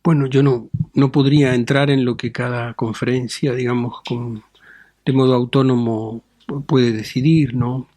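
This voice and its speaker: A middle-aged man speaks as a bishop in an interview, calm and deliberate, often ending phrases with a questioning tag. His voice sits at an ordinary pitch and is recorded dry and close. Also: no echo. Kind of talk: measured interview answers.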